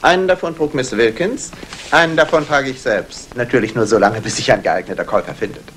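An actor playing a courteous, self-assured London jeweller in a 1960s German radio crime play, formal in manner. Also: male voice, mid-range voice, a little fast, a bit bright, close to an everyday voice. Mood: smooth, courteous. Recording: noisy old radio play recording.

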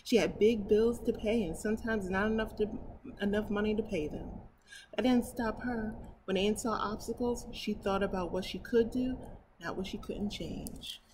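Expressive American woman reading aloud, noisy background. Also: medium pitch, normal speed. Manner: expressive, enthusiastic, exclaiming. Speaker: library storytime reader. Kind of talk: children's storytime read-aloud with chatty asides. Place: indoors in front of a painted mural. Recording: clear steady background noise.

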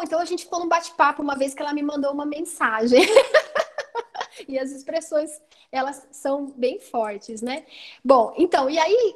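A Brazilian woman teacher giving an online training talk, explaining in a lively way and often adding "né" to check that she is followed, over a video call. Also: high voice. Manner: lively, explanatory, frequent "né" tags.

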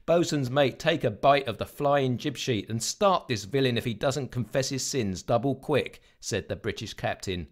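A man's voice: mid-range voice, animated, normal speed, hardly any pauses, natural voice. Man doing a blustering young sea-yarn spinner. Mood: hearty. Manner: hearty, blustering nautical storytelling.

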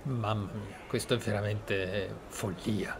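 A man's voice: lowish voice, fairly even intonation, measured pace, background noise. A man with an Italian accent giving let's play commentary in a reflective, discursive way. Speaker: gaming commentator. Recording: game ambience faintly behind the voice.

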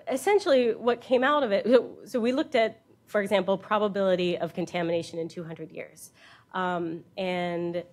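A woman researcher presenting a scientific lecture, explaining in plain terms with informal asides. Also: fairly low pitch. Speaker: university researcher giving a keynote. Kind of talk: scientific conference lecture with slides.

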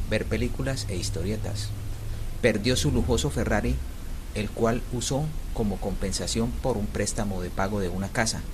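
Low-voiced man narrating a countdown. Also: background noise. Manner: announces ranking numbers louder and slower.

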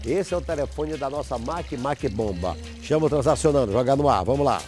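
A man's voice: mid-range voice, animated, fairly quick, over music. A man in his fifties hosting a local TV show in a studio, folksy and chatty, on a lapel mic. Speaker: TV show host. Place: TV studio set.

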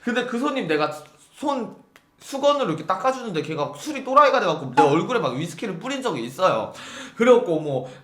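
A man's voice: on the high side, fairly bright tone, reverberant. A young man telling a comic story about his past job, acting out both sides of phone calls and swearing freely.

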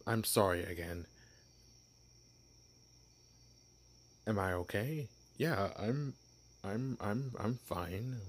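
A man's voice: deep voice, slight background noise. A man voicing a shy, clueless young male vampire posing as human in an ASMR roleplay, stammering and apologizing. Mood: flustered.

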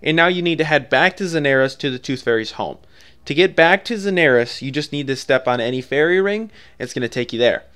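A man's voice: a little high, expressive, fairly quick, fairly bright tone, smooth. A man narrating a step-by-step video game guide in an informal, offhand, conversational way.

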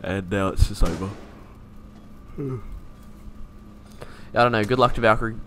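A man's voice: fairly low pitch, rapid-fire, a bit bright, a little hiss or hum. A young man giving casual gameplay commentary as a video creator, laid-back, thinking aloud and swearing now and then. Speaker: gaming YouTuber.

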